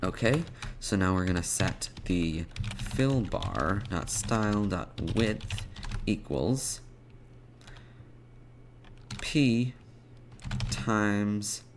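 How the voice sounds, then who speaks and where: A man presenting an unscripted programming tutorial, thinking aloud in a halting way as he types out code. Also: lowish voice, expressive, noisy background.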